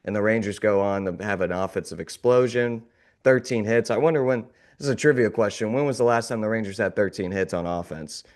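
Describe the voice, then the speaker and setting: A fairly low, slightly mellow male voice moves briskly through a casual sports podcast. The host is recovering from an illness that has thrown his voice off a bit, and his wry, glum sarcasm keeps laughing off the gloom.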